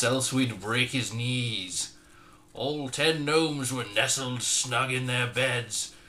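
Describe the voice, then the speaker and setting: Man, comic verse reader, very bright tone, mock-dramatic delivery with loud bursts. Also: medium pitch. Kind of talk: comic dramatic poem reading.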